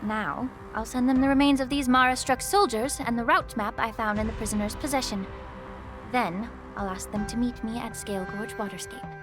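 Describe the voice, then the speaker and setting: A woman voicing a poised, shrewd official in a video game, speaking in a formal, measured, courteous way. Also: on the high side, fairly even intonation, over music, close to an everyday voice. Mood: firm, composed. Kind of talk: video game story dialogue.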